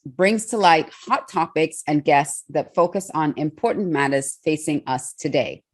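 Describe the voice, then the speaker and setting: Enthusiastic Trinidadian woman podcast host. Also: lowish voice. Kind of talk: podcast interview.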